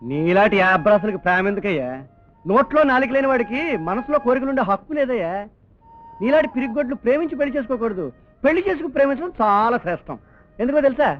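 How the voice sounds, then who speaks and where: A man in a film scene, teasing and full of wordplay, giving lines in quick comic dialogue. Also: very high voice, expressive. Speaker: scheming elderly guardian in a comedy film. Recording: dull lo-fi film audio with music.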